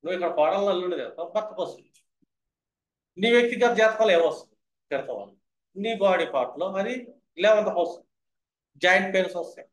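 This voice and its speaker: A man's voice: sits high, expressive, fast talker, pauses often, reverberant. A man teaching astrology in a lecture style, who keeps asking his listeners whether they have understood.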